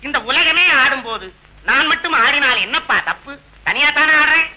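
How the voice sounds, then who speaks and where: A man trading quick jokes in old film comedy dialogue, sometimes breaking into mock chants. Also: extremely high pitch, lively intonation, bright, forceful tone, poor audio. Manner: fast joking banter, mock chanting. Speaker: comic lover posing as fortune teller.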